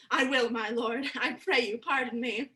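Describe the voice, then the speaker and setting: A motherly queen played by a woman, fond yet willful, in a high and bright voice. She reads Shakespearean lines as part of a staged play. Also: fairly even intonation, a little slow. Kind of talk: dramatic reading of Shakespearean verse.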